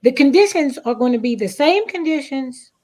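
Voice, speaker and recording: Higher-pitched woman, emphatic and deliberate. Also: animated, warm tone. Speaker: stage play cast member, guest. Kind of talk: reflective panel interview talk.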